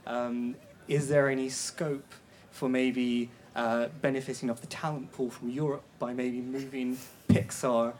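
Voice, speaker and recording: Man, audience questioner, mid-pitched voice, halting and full of restarts. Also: level tone, a little mellow. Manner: hesitant, many "um" and restarts. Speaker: audience member asking a question. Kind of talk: question from the floor.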